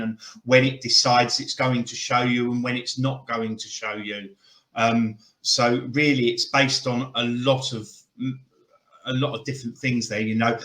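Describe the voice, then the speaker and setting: A man's voice: medium pitch, fairly bright tone, echoey room, rough recording. A man as a guest expert giving casual answers on a video call, hesitant with many fillers.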